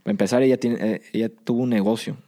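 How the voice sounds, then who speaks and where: A young man from Southern California, telling his story as a guest in a relaxed, rambling way with frequent fillers. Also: medium pitch, fast talker. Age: young adult. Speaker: guest entrepreneur. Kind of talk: casual interview storytelling.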